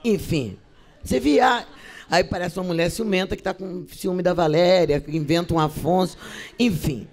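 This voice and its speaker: Woman, Brazilian accent, middle-aged, gravelly, expressive storyteller, acts out dialogue. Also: on the low side, moderate pace. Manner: acts out dialogue with shifting voices, expressive and theatrical. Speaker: actress and poet giving a talk to theater students. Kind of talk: lively storytelling talk.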